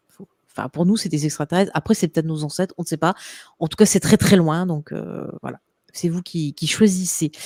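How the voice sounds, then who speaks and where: The sound is dry and close with no echo, the pace is fairly quick, and the tone is dark and mellow. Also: woman. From southern France. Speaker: podcast host. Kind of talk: casual chat. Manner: animated.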